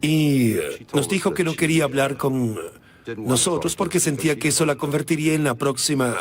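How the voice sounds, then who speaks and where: A man, an investigator, recounting a case in a documentary interview, reflective and pausing with fillers. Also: a little high.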